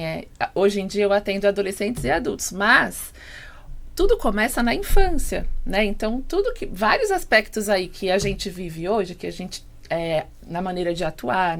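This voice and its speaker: A woman's voice: mid-range voice, lively intonation, moderate pace, gravelly. A Brazilian woman, a psychologist who sees teens and adults, explaining child development in a podcast chat. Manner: explanatory, affirming. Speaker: psychologist guest.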